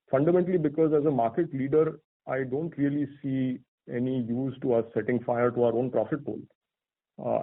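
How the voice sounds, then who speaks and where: Over a narrow, tinny conference phone line, a man in a senior corporate role answers analysts' questions. He speaks at a middling pitch in a measured, articulate, businesslike way, setting out his reasoning as on an earnings call. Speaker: company executive answering analysts.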